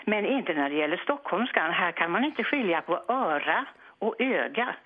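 A woman's voice: lowish voice, big pitch swings. An older woman phoning in to a radio show, a retired radio presenter voicing irritated, opinionated complaints about language. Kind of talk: phone-in chat. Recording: muffled phone line.

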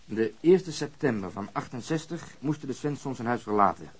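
A man's voice: mid-range voice, lively intonation, moderate pace, slightly rough. A man acting in a radio drama as a brusque, sardonic police detective with a matter-of-fact delivery. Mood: matter-of-fact, dry. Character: brusque, cynical, sarcastic male police detective.

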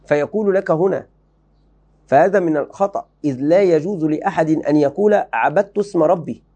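A man's voice: on the high side, fairly quick, warm tone, husky, highs cut off. A man giving a religious lesson, explaining a book to students emphatically, repeating key phrases and checking they follow. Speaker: Islamic teacher.

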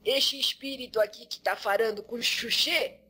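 Woman as jovial male spirit entity, higher pitched, drawls and chuckles, down-home talk. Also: sharp tone, husky. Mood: earthy, chuckling. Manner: drawling, folksy speech, calls listener "filho"; slow, laughing between phrases. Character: laughing male spirit Exu speaking through a medium. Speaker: medium channeling an entity.

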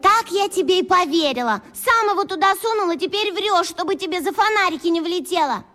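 A woman's voice: very high-pitched, expressive, bright, forceful tone, soft background music, exaggerated voice. A woman voicing a bossy, teasing little girl who bickers with her younger brother in an audiobook. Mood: taunting. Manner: teasing, bossy, quick to scare. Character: bossy quarrelsome little girl, older sister. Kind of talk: audiobook character acting.

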